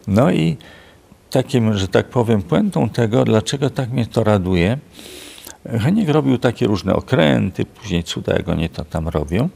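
An older man with a very gravelly, husky and deep voice tells stories from his years as a prison chaplain. He speaks slowly and reflectively, with a low, rasping tone. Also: a little mellow. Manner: unhurried, reflective storytelling. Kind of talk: storytelling in a radio interview.

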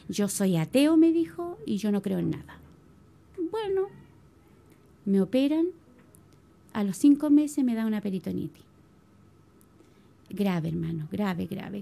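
Middle-aged Chilean churchwoman, lively testimony storyteller, fairly high, warm tone. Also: vocal fry. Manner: animated storytelling, addresses listeners as brothers. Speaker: church member giving testimony. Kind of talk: spoken religious testimony.

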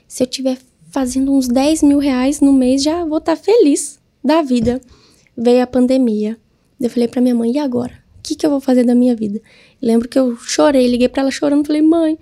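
A woman's voice: high voice, mellow. A woman, a guest entrepreneur, telling her story in a casual interview and acting out her own past words.

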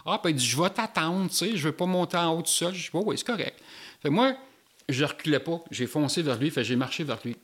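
A man's voice: on the high side, fairly quick. Québécois man telling a wild story. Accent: Québécois French. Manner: animated storytelling with Quebec slang.

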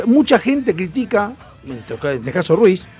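A man's voice: high-pitched, very animated, moderate pace, a little mellow, slightly rough, faint music behind. A man with a Rioplatense Spanish accent, co-hosting a radio show in heated casual banter, blunt and swearing freely.

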